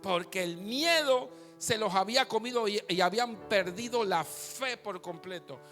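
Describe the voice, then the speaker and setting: A male pastor preaching an animated live sermon in a church, telling stories to the congregation. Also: high-pitched, moderate pace. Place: church sanctuary. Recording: long hall reverb, faint guitar behind.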